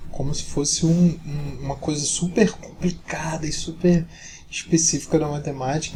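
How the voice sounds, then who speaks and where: There is audible room echo around the man. He speaks at a fairly slow pace. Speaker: math teacher. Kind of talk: lecture. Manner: casual.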